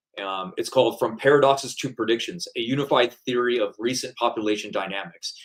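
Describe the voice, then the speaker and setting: A man talks at a fairly quick pace in a normal speaking voice. His pitch sits in the medium range. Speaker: creation science author and presenter. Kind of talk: livestream presentation.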